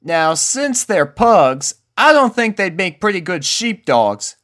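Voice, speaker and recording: A man's voice: high voice, very animated, slow, a bit bright, pitched above the performer's own voice, exaggerated voice. A man voicing an easygoing female farm pony from a cartoon, with a Southern US accent and folksy country talk. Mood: explaining.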